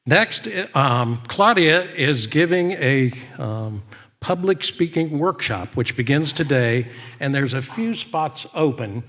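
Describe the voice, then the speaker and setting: A man's voice: medium pitch, expressive, takes it slowly, a bit bright. A man hosting a church service, giving informal announcements in an upbeat, exclamatory manner. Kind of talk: informal spoken announcements to a congregation.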